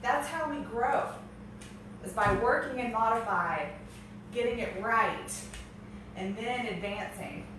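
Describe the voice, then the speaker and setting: A high-voiced woman leads exercise like an aerobics instructor, cueing form in an encouraging, peppy way at an unhurried pace. She breathes with effort as she coaches. The sound is very echoey, as in a bare room. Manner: encouraging, exclaiming, peppy workout cheerleading. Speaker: aerobics and strength instructor leading a home workout. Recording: echoey room, distant mic, noisy.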